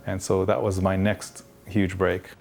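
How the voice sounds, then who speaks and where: A man in his fifties from Iran, a visual effects artist recalling his career in a documentary interview, telling it in a reflective, unhurried way with small restarts. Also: low voice, monotone. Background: soft guitar music.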